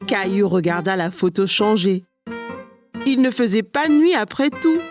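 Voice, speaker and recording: A woman narrating a children's cartoon in a calm, even storytelling manner. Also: medium pitch, a little slow. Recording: narration over soft music.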